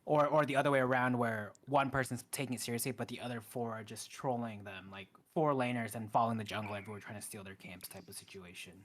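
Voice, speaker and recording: A man's voice: medium pitch, fairly even intonation, fast talker, few pauses. A man co-hosting a casual gaming podcast, thinking aloud and sharing opinions a little hesitantly.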